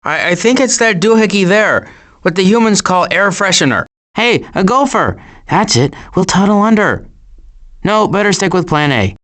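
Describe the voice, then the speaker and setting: Fretful, wry cartoon turtle. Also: male voice, sits high, normal speed. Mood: fretful, sarcastic. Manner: wry, fretful, deadpan sarcasm with stammers. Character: cautious, anxious, grumbling adult male cartoon turtle. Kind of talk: animated video game character lines.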